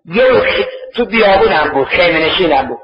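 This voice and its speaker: A male preacher with a notably high voice delivers a storytelling sermon, acting out the characters and breaking with grief. He is heard from a distance in a large, echoing space. The recording is dull and muffled. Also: expressive.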